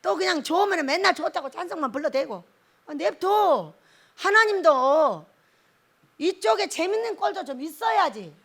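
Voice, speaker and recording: A woman's voice: very high voice, sing-song, normal speed, a bit bright. A middle-aged woman pastor giving a folksy sermon, laughing often and acting out prayers in quoted voices. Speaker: pastor, prayer house director.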